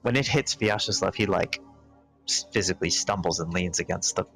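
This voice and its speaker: A man acting as game master for a tabletop horror game, laid-back and quick to laugh. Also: sits low, a bit bright, poor audio. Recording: music playing underneath.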